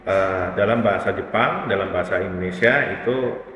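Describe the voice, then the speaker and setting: A man who is a company CEO, speaking as an interview guest and explaining at length. He talks casually and pauses often, searching for his words. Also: low-pitched, fairly bright tone, slight background noise. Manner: thoughtful, many pauses and fillers. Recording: reverberant room, distant mic, faint ambience.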